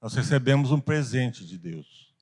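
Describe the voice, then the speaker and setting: A man with a Brazilian Portuguese accent teaching a Bible class, earnest, asking rhetorical questions and pausing for emphasis. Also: mid-range voice, expressive, darkish tone. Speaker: Sunday school teacher.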